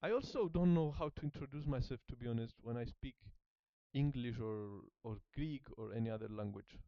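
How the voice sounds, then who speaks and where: A man learning a language, German by birth, practices aloud in a study session, speaking at medium pitch and fairly quickly. He's hesitant, repeating words as he puzzles them out, with soft self-conscious laughs. The recording has no echo and sounds dry and a bit muffled.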